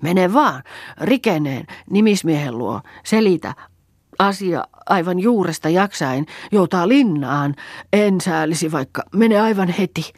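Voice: medium pitch, animated, few pauses, no room sound, studio quality, voice pushed up, close to an everyday voice. A reader doing a groaning, vindictive old peasant woman. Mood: scolding. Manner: moaning cries broken up by gasps. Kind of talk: audiobook character voice.

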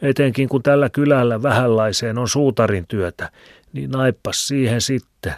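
A man's voice: medium pitch, no room sound, voice pushed up, close to an everyday voice. A man voicing a stubborn, grumbling old village shoemaker with a rambling, folksy way of talking, in a dry close recording. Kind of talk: audiobook reading. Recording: dry close studio sound.

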